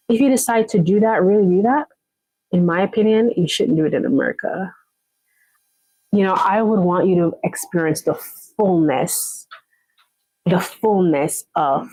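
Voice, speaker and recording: A Jamaican woman hosts a casual motivational live chat, encouraging her viewers and often repeating herself to check in with them. Her voice is lowish with a darkish tone, captured on a rough recording without echo.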